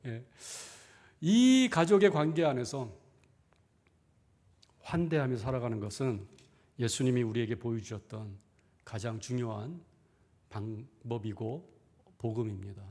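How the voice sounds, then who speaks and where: A man's voice: medium pitch, a little slow, long pauses, darkish tone. A middle-aged man, a pastor, preaching a conversational sermon in a church, asking rhetorical questions and acting out inner thoughts. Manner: acts out inner thoughts in quoted asides. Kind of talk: sermon seminar. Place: church sanctuary.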